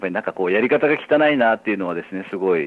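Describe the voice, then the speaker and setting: This man's voice carries noticeable vocal fry. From Nagasaki, Japan (Konagai, Isahaya Bay). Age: young. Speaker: fisherman. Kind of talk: interview. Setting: phone call.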